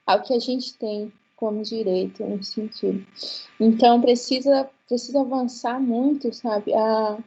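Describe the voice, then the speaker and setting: A woman whose first language is Guarani, speaking as a panelist in an online webinar, earnest and halting with many restarts. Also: on the high side, fairly even intonation, dark tone, breathy edge, lo-fi sound. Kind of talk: webinar talk. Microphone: video call.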